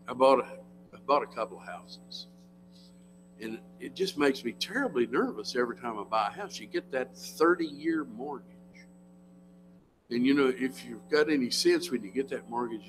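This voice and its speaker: Folksy older American preacher, slow-paced. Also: male voice, medium pitch, poor audio. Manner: folksy, plain-spoken, asks the listeners questions. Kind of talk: sermon to a congregation. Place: church, in front of a congregation.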